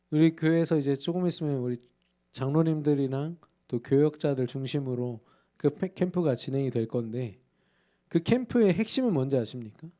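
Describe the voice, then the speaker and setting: Emphatic preaching pastor, mellow voice. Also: male voice, mid-range voice. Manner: emphatic preaching with rhetorical questions. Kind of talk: sermon. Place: church.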